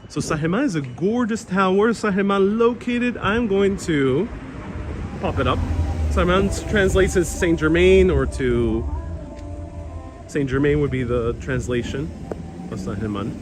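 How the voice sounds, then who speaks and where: A man's voice: on the high side, unhurried. Chatty Queens Hispanic man on street. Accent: Queens Hispanic New York. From Puerto Rico, raised in New York. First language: Spanish. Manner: relaxed, chatty, reads out viewer comments. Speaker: walking tour livestream host. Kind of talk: casual live walking tour, chatting with viewers. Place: outdoors on a town street with passing traffic. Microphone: phone-mounted mic while walking. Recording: noisy outdoor street recording.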